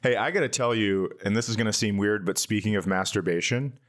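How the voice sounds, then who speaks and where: A man with a fairly low voice hosts a comedy podcast. He talks in loose, casual banter with a playful, crude sense of humor. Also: a little fast, fairly bright tone. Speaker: podcast host.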